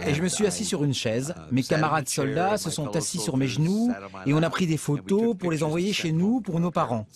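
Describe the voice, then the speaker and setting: An older man calmly recounting his own experience in an interview. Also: a little high, brisk, a loud crowd. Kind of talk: recounting a memory.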